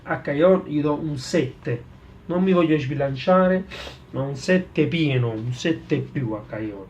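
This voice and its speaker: A man with a Neapolitan accent and a fairly high voice talks football over music. His delivery is casual and halting, full of local street slang. He doubles back on words to drive them home, like a fan addressing his channel. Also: darkish tone, lo-fi sound, a little hiss or hum. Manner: halting, repeats words for emphasis. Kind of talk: casual post-match player ratings, fan commentary. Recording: clear music behind the voice.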